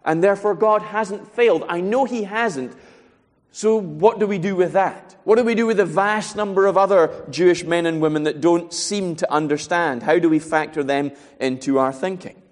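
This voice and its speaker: A man's voice: sits high, moderate pace, long reverb tail. A man preaching a sermon, earnest and asking rhetorical questions as he works through a Bible passage.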